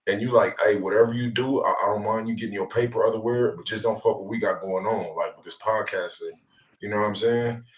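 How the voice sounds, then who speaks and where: An American man with a lowish voice hosts a casual livestream podcast. He talks in heavy slang with easy profanity and often doubles back on his phrases. The sound is roomy, with clear echo around his words. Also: fairly even intonation, brisk. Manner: informal, profane, repeats himself. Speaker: podcast host taking audience questions on a livestream.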